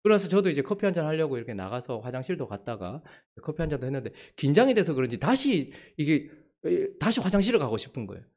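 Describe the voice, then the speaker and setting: A male pastor preaching in a church, his voice sitting a little high for a man and swinging widely up and down. He tells a personal story with animation and acts out the people he quotes. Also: a little mellow.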